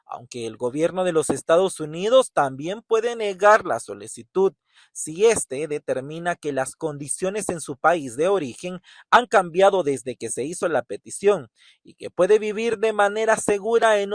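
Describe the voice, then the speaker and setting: High-voiced male news reporter. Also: big pitch swings, measured pace, no echo, studio quality. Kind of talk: scripted news report voice-over.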